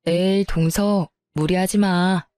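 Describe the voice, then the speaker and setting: A woman's voice: on the low side, steady tone, slow, darkish tone, clean tone, soft background music. A woman voicing a friendly, easygoing sister-in-law in a storytelling video. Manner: easygoing, cheerful.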